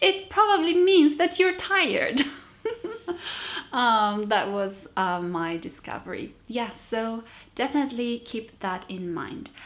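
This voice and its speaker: A woman with a Polish accent talks at a fairly slow pace in a fairly high pitch, her voice making very wide pitch swings. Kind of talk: unscripted vlog monologue. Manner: halting.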